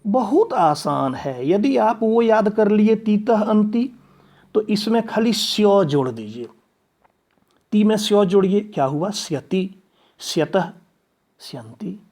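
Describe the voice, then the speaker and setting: A man's voice: high-pitched, animated, slow, a little mellow. A male teacher patiently explaining grammar step by step, reciting verb forms one after another. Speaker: Sanskrit teacher. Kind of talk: classroom grammar lesson.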